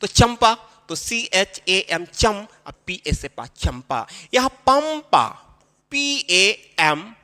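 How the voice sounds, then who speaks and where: Guy teaching little kids spelling, high voice, goes up and down a lot, lots of repeating, echoey room. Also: big pitch swings, pushed and bright. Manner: explains slowly and repeats himself, addressing children. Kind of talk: classroom-style spelling lesson.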